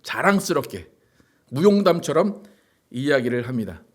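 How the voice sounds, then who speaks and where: A man's voice: medium pitch, big pitch swings, moderate pace. A male pastor giving a sermon in a conversational way, often asking the congregation rhetorical questions. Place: church sanctuary.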